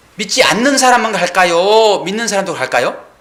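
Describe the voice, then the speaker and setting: A man's raised, projected voice, high-pitched with very wide pitch swings, at a moderate pace. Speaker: pastor. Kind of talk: sermon. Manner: conversational, asks audience questions.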